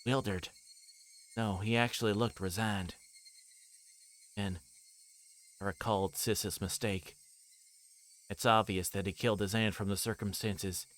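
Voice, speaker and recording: Reading a visual novel aloud on a live stream, this man speaks in a lowish voice, a bit slowly and with frequent pauses. He occasionally trips on a line and corrects himself, dropping in asides along the way, while a constant noise runs underneath.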